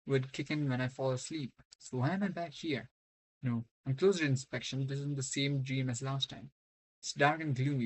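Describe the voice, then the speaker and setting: A man's voice: medium pitch, poor audio. A man live-streaming a game, reading dialogue aloud and reacting casually.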